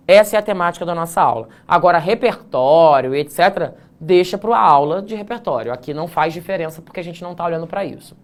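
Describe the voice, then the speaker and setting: A man teaching an online essay-writing class, joking at his own slips, drawing words out slowly to show how they are pronounced, and checking in with the class often. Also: on the high side. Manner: playful, self-mocking, frequent "tá?" check-ins; stretches words slowly to demonstrate pronunciation.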